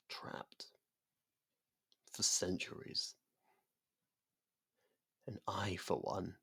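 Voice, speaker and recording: An actor playing a sadistic ancient vampire in an ASMR roleplay, seductive, possessive and condescending, with a gravelly, breathy delivery that often sinks into whispers. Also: low-pitched, dry recording, clean studio sound, exaggerated voice. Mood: bitter, brooding, then vengeful. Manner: slow, hushed, often breathy whispering, theatrical. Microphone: close studio microphone, dry.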